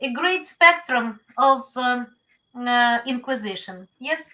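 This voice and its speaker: Projecting a raised voice with a Ukrainian accent, a woman talks at a very slow pace, her high-pitched tone bright and sharp with ordinary pitch variation. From Ukraine, Donetsk region (east). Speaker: professor. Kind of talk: interview conversation. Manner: halting, many fillers.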